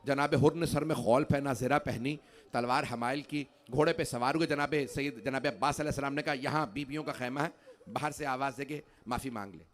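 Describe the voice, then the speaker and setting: A man reciting a mournful religious sermon, swinging between hushed low storytelling and loud wailing pleas. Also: steady tone. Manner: rising to loud wailing cries at emotional peaks. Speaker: majlis orator.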